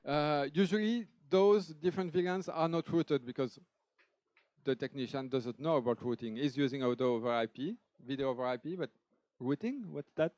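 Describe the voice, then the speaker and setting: A man with a French accent giving a technical conference talk, lively and conversational, with frequent restarts and asides. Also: on the high side, moderate pace, no echo. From France. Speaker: conference speaker. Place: conference hall stage.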